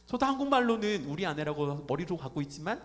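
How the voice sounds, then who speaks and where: A man's voice: fairly high pitch, sing-song, quick pace. A man preaching a Sunday sermon as pastor, talking conversationally and putting questions to the congregation. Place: church sanctuary. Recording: reverberant church hall.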